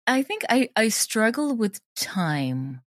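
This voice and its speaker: A woman speaking as an interviewed audio drama creator, explaining her craft in a thoughtful, conversational way with many softeners. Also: on the high side, big pitch swings, slow pace, no echo, studio quality.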